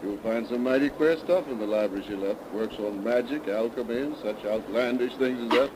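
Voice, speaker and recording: Actor as a formal attorney, noisy 1930s radio. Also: male voice, mid-range voice, brisk, close to an everyday voice. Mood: formal, courteous. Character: courteous, formal small-town attorney explaining a strange will. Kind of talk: 1930s radio drama acting.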